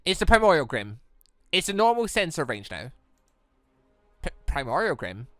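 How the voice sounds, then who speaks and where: A man hosting a let's play, reading visual novel dialogue aloud in an animated way and reacting excitedly as he goes. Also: on the high side, moderate pace, dry recording. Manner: animated, stumbles while reading and exclaims at the story.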